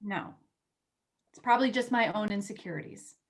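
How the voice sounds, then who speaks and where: A woman playing an eager, teasing young magazine editor in a staged play reading, talking in animated, halting bursts as she persuades. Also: medium pitch, natural voice. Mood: pressured, earnest. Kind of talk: virtual staged play reading, naturalistic dialogue.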